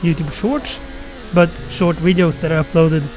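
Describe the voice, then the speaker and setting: A man's mumbling, high-pitched voice with a non-native accent, at a moderate pace, over noticeable background noise. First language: not English. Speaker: gaming streamer. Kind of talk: live-stream commentary. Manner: halting.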